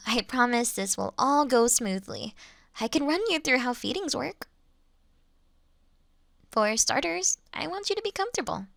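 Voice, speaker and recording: A woman playing a polite, reassuring vampire who looks like a child, speaking gently to the listener in an audio roleplay. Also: a little high, no echo, clean studio sound. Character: childlike-looking ancient female vampire, polite, reassuring, mildly wry.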